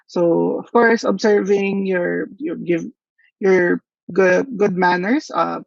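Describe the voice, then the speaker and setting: Gravelly man presenting at a workshop. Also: sits high, no room sound. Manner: thoughtful, hesitant, with frequent pauses. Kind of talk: conference presentation. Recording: dull lo-fi dry audio.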